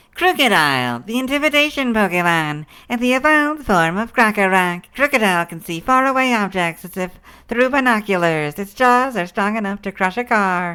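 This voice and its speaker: This put-on character voice sits fairly high in pitch and moves at a moderate pace. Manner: flat, informational.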